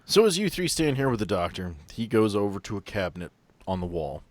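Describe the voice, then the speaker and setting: A man acting as game master, narrating scenes of a tabletop game in a measured way. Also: fairly low pitch, big pitch swings, dry recording.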